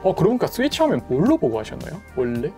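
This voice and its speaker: A young man talks in a casual, explanatory way as he works through a technical setup. His pitch moves around a good deal, and music plays clearly behind him. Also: wildly swooping pitch, racing. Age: young adult. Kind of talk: casual explaining while working. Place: small bedroom studio, indoors.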